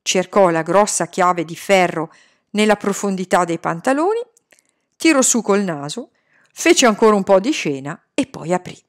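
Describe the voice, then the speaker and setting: Lively woman reading a novel. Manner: expressive storytelling, lively pitch. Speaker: audiobook reader. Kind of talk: scripted narration of a novel.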